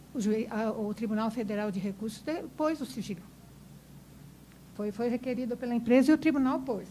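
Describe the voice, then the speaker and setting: A woman's fairly high, somewhat breathy voice with a dark, mellow tone, moderate pace, ordinary pitch variation, and long, frequent pauses. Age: 60s. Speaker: tax lawyer. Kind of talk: public comment at workshop. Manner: halting, with repetitions.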